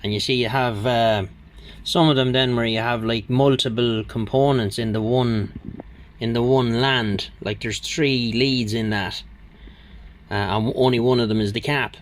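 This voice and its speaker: Middle-aged hobbyist man, mid-pitched, rambling and plain-spoken, faint hiss behind him at the workbench. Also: steady tone, a little slow. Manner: rambling, full of ums and you-knows, plain-spoken. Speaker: radio hobbyist channel host. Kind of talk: casual hands-on demonstration.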